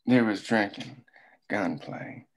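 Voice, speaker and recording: Gravelly, stern company boss, read by a man. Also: fairly low pitch, slow pace, low-quality recording. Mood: disapproving. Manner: formal, admonishing. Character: stern, moralizing male mine company boss. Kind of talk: script table read.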